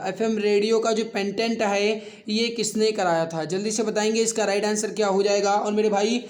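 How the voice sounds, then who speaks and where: A man speaking as an online exam-prep teacher, addressing students familiarly with emphatic repetition. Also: high-pitched. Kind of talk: quiz lesson for exam students with promotional pitch.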